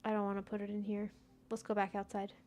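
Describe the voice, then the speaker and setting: She talks fast in a monotone, mid-range, slightly mellow voice, with faint music in the background. A chatty young gaming streamer from the United States whose first language is Persian, she talks to herself while playing, chatting casually about the game and responding to viewer chat.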